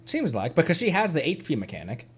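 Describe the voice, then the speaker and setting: A man's voice: a little high, wildly swooping pitch, fast talker, breathy edge. A man doing casual live game commentary, playfully muttering to himself and chatting to his viewers. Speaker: streamer.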